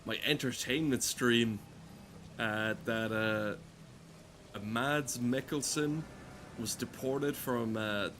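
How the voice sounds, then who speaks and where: Guy streaming a game, sardonic sweary rambling, normal pitch, bit of background noise. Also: takes it slowly. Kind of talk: casual gameplay commentary.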